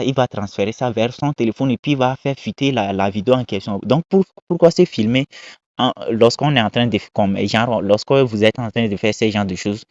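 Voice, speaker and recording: Offering casual, emphatic takes on viral videos, a man keeps repeating his points and moralizing. His voice is medium in pitch, and the lo-fi recording sounds dull and dry without any echo.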